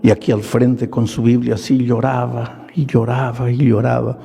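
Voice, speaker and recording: An older male pastor tells a story from the pulpit, slowly and dramatically, acting out each line of dialogue. His voice is mellow and slightly husky. It rings with the long echo of a large hall. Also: medium pitch, little pitch movement. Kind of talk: storytelling sermon.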